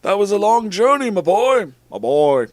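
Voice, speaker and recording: A man voicing an excitable, kindly old wizard headmaster for a comic story reading, in a theatrical, declaiming manner. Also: high voice, no room sound, pitched above the performer's own voice. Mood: hearty, grave. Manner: theatrical, declaiming, drawn-out exclamations.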